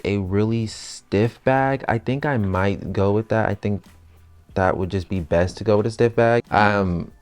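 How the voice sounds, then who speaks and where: A young man with a very low, smooth and resonant voice. He chats casually while explaining how he cuts and prepares fabric, in a relaxed, running commentary. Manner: chatty, explains steps as he works. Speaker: bag designer. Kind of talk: casual sewing vlog.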